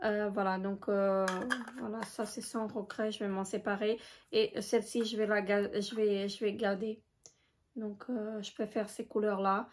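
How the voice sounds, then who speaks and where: A woman chatting casually in a show-and-tell vlog, hesitant with many filler pauses. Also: medium pitch, flat delivery, darkish tone. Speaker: beauty vlogger.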